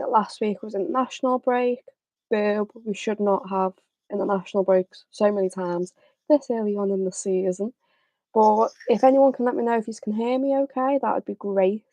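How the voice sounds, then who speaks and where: Chatty young woman with a slightly raspy voice. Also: on the high side, moderate pace, dry recording, low-quality recording. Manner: chatty, relaxed, many fillers. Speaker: host of a football livestream. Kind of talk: casual live chat.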